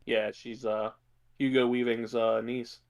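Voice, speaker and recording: A man's voice: medium pitch, flat delivery, unhurried, creaky. A man co-hosting a podcast, chatting casually about films and shows, thinking aloud as he goes. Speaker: podcast co-host.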